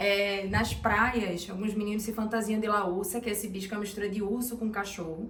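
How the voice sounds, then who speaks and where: In a Pernambuco accent, the speaker talks at a fairly quick pace with audible room echo. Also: woman. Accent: Pernambuco accent, noticeable. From Brazil, Pernambuco. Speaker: apartment resident showing her home. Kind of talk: casual home tour chat.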